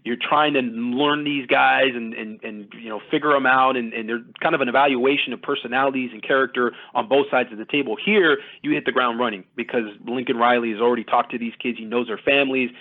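A man's voice: medium pitch, steady tone, a little fast, hardly any pauses. A man giving casual, detailed sports recruiting analysis as a guest, talking conversationally at length. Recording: thin phone-like audio.

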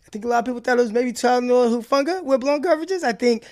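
A man co-hosting a sports podcast, talking in a passionate, deliberate and emphatic way. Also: extremely high pitch, darkish tone. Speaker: podcast co-host. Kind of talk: casual sports chat.

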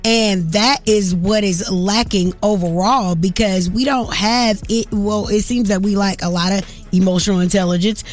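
A woman's voice: mid-range voice, steady tone, moderate pace, hardly any pauses, soft background music. Conversational woman co-hosting morning radio. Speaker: radio morning show co-host. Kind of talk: casual radio discussion.

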